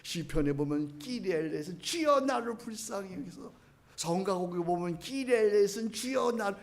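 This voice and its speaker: Male pastor, middle-aged, higher voice, leads call-and-response prayer, from hushed to loud chanting. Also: lively intonation, moderate pace, vocal fry. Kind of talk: sermon.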